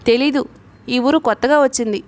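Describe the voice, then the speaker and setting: A woman's voice: sits high, fairly quick, darkish tone, natural voice. A woman reading as a plain-spoken male associate. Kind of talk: reading a novel aloud.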